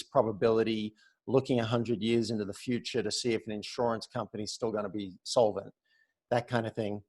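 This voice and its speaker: Guest, Australian man, 50s, energetic and conversational. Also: fairly low pitch. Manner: upbeat, chatty, restarts words often. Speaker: podcast guest. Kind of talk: casual interview chat.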